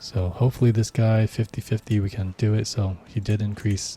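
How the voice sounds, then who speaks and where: A man's voice sits fairly low, with a dark, mellow tone, a relaxed, somewhat breathy quality, and monotone, flat intonation. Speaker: video game streamer. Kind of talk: game playthrough commentary. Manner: casual, relaxed.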